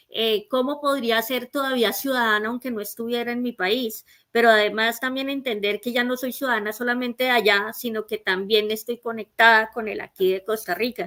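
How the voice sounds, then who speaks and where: Her tone bright and sharp, a woman with a Colombian accent speaks at a moderate pace with hardly any pauses, a fairly high pitch and fairly even intonation. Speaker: researcher and author. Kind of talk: radio interview.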